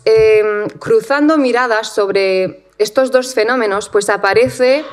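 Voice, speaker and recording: A woman researcher giving a conference talk in a lecture hall, measured, with frequent fillers and repeated words. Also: medium pitch.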